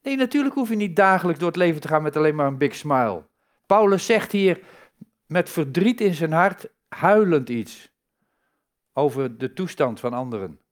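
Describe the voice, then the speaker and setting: A man's voice: on the high side, animated, moderate pace. A man giving a sermon in a conversational way, asking the congregation rhetorical questions and stressing key words. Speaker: preacher.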